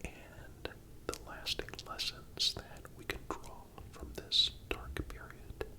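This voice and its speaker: A person whispering a scripted historical narration in a calm, deliberate ASMR style, breathy and broken by frequent pauses. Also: low-quality recording. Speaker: host and narrator.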